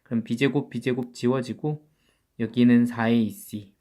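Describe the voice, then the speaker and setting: A man's voice: mid-range voice, fairly even intonation, moderate pace, warm tone. Guy doing a math lecture, walks thru every step, asks himself stuff then answers it. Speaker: math tutor.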